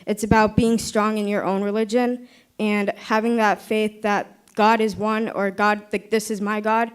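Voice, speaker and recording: Young woman student sharing her opinion, really clear smooth voice, kinda repeats herself as she goes. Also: medium pitch, level tone, measured pace. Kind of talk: earnest opinion at a youth dialogue.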